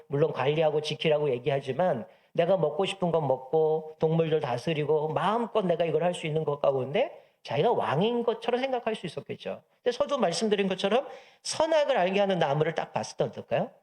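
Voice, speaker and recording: A man preaching a Sunday sermon as the church's pastor, acting out the characters' lines as he explains the scripture. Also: a little high. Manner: animated preaching, acts out dialogue of devil and God in a humorous anecdote.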